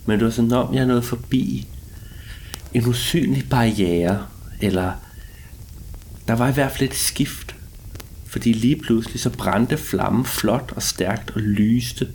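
A man playing a brooding, awestruck cave explorer long alone underground, musing haltingly in an eerie first-person story. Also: medium pitch, vocal fry, darkish tone, a little hiss or hum, natural voice, rough recording. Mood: reflective, wondering.

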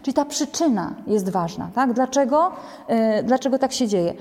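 Lively woman lecturing in a reverberant hall. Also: sits high, normal speed. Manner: conversational, ends many sentences with a checking "nie?"; animated, acts out quotes. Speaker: lecturer on child behavior. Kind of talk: lecture to a group.

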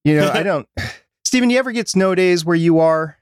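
A man's voice: sits high, lively intonation, fast, clear, resonant tone, no room sound, clean studio sound. A middle-aged man co-hosting a podcast about podcasting, chatting casually and rambling with frequent restarts. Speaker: podcast co-host.

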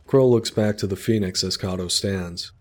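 A man narrating a story in a calm, descriptive way. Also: sits low, moderate pace.

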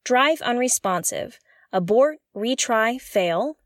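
A woman's voice: on the high side, lively intonation, slow, no echo, clean studio sound. A woman playing a curious, jittery explorer alone on a derelict spaceship, thinking aloud in an audio drama in a hesitant, exclamatory way. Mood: intent, puzzled. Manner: hesitant, exclamatory, muttering to herself.

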